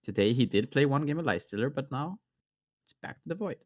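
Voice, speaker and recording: A man co-casting a live esports match, speaking haltingly with frequent restarts. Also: mid-range voice, expressive, lo-fi sound, faint music behind. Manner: hesitant, many restarts and fillers. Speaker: esports co-caster. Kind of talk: live game commentary.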